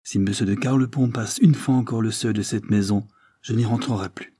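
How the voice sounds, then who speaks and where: A cold, commanding mother in mourning black, read by a man. She speaks solemnly, with a low, dark and husky tone, close and dry. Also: fairly even intonation, a little fast, dry recording. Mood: stern grief. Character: grieving stern mother, woman in black.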